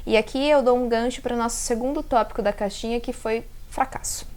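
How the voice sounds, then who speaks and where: Fairly high-pitched and fairly quick, this thirty-something self-leadership creator talks to camera in a relaxed, reflective vlog. Her inland São Paulo accent, with its caipira r, marks her as from the state's interior in Brazil, and she's chatty and expressive, frequently addressing her audience directly.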